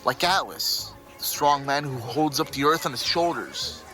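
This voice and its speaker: A man's voice: medium pitch, animated, a little slow, sharp tone, soft background music, poor audio. An actor playing a reluctant, flustered regular-guy husband with hesitant, defensive, slangy talk in an audio fiction podcast. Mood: exasperated.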